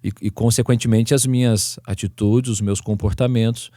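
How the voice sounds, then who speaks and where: A man with a Brazilian Portuguese accent hosting a church podcast, speaking calmly and reflectively. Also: on the low side, moderate pace, dry recording, studio quality. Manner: calm, reflective, frequent soft backchannels. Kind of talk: casual podcast conversation.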